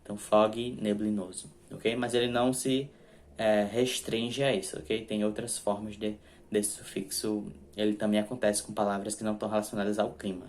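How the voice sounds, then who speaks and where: A man's voice: on the low side, flat delivery, a little mellow, a little hiss or hum. A man with a Brazilian accent, a native Portuguese speaker teaching English words and tagging his explanations with "ok?". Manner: explains slowly, drops tag questions (ok?, né?) after each point. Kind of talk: recorded online lesson.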